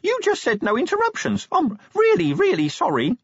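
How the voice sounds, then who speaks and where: A tiny fantasy imp from an audiobook, pitched far above a normal male voice. He is meek and quavering, officious and eager to please, with a lively swoop to his lines. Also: a little slow, dry recording, dull audio, heavily acted. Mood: apologetic. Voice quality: small, quavering voice.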